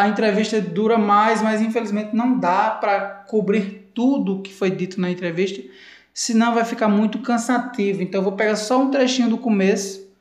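A woman with a Brazilian Portuguese accent teaching English from a video clip, repeating English phrases slowly and carefully. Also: mid-range voice, a little mellow, roomy sound. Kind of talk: language lesson explaining a video clip.

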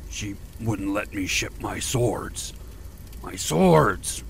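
A man voicing a towering, quick-tempered male blacksmith with a gravelly, growling voice. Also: fairly low pitch, animated, darkish tone, slight background noise. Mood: defensive.

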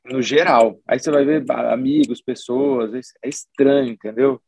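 Gravelly-voiced musician. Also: male voice, mid-range voice, normal speed, no echo. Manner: relaxed, rambling, full of slang and restarts. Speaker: musician guest. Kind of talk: casual interview chat.

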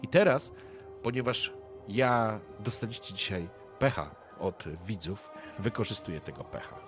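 A man's voice: on the low side, animated, measured pace, a bit bright, faint music behind. A man running a tabletop game as game master, describing scenes directly to the players with frequent hesitations.

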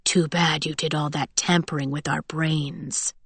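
A woman narrator puts on a male wolf-soldier chief for an audiobook. The voice is low and unhurried. He is sardonic and defiant, with quiet threat in a dry recording. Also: little pitch movement, vocal fry, breathy edge, no room sound, exaggerated voice.

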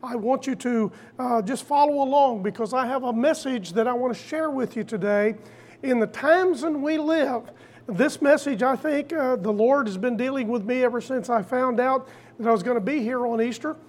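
An older preacher delivering a sermon in a folksy storytelling way, repeating phrases deliberately for emphasis. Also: medium pitch, darkish tone.

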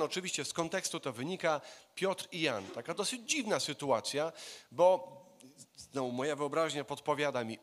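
A man preaching to a congregation in an easy, conversational way. His voice sits a little high for a man, and he keeps turning questions back to the people listening. The long reverb of the hall trails after each phrase. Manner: lively, asks the congregation questions, acts out voices. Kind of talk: conversational sermon.

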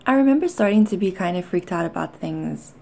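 A woman's voice: on the low side, lively intonation, a little fast, vocal fry, darkish tone. A woman with a mixed South African and Canadian accent, talking candidly and conversationally to listeners as a podcast host, hesitating as she goes. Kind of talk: personal confessional talk to listeners.

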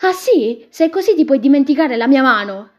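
Lady doing a fiery young gypsy girl, loud and sharp, slightly husky, muffled. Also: on the high side, flat delivery, fast. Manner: sharp and loud when angry. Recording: dull lo-fi recording.

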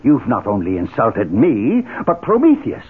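An actor playing a proud, theatrical leader of a fire cult in a radio drama, haughty, formal and declamatory. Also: male voice, medium pitch, wildly swooping pitch, a little slow, slightly rough, heavily acted. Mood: indignant. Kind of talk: 1970s radio drama acting. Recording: tinny, narrow-band old radio recording, faint hiss.

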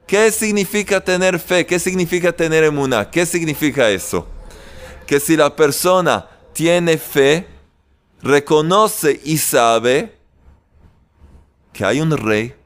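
Male religious teacher giving a sermon; high voice, slow, rhetorical questions. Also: smooth. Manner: animated, rhetorical questions, dramatic pauses.

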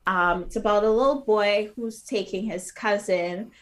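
An earnest woman author talks through her children's books in a relaxed interview. Her voice sits at a middle pitch, and she speaks thoughtfully, often pausing with fillers and restarting her sentences. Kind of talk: casual interview talk.

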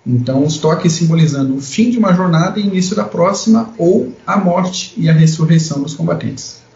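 A man's voice: high-pitched, fairly quick, gravelly, darkish tone. Male co-host, Brazilian, explanatory podcast delivery, strong room echo, slightly dull audio.

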